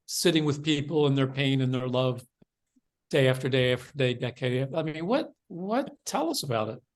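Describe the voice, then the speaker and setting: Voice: medium pitch, animated, normal speed. A host asking probing interview questions over a video call, often rephrasing mid-sentence.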